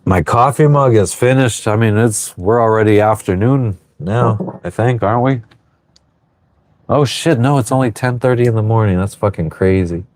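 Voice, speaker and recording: Thirtysomething guy on a boat livestream, lowish voice, cussing a lot, dry close sound. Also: normal speed, darkish tone, no room sound. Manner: swears freely, chatty and offhand. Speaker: livestream host. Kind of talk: casual live chat reading viewer comments. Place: on an anchored sailboat.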